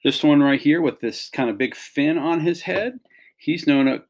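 A middle-aged teacher reads a picture book to children in an instructional read-along, keeping his phrases simple as he explains and points things out. His voice is fairly high and his pace moderate.

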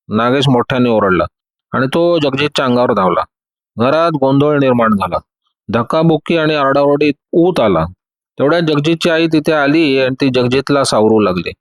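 Guy reading a dramatic audiobook story, middle pitch, dry close sound, shouts out the characters' lines himself. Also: dry recording.

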